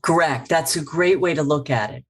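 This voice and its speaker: A woman's voice: low-pitched, normal speed, husky. A woman guest and author speaking with passion in a casual interview, acting out example phrases as she coaches on what to say. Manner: emphatic, acts out example phrases.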